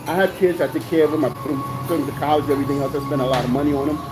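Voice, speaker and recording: A man with a Panamanian accent, fairly high-pitched and very fast, with fairly even intonation, against noticeable background noise. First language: Spanish. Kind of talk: casual chat.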